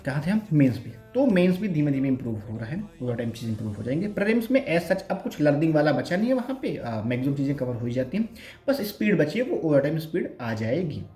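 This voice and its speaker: A man's voice: on the high side, a little mellow, echoey room. A young man chatting casually to viewers with self-mocking humor, giving study advice as an exam aspirant. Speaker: bank exam aspirant vlogger.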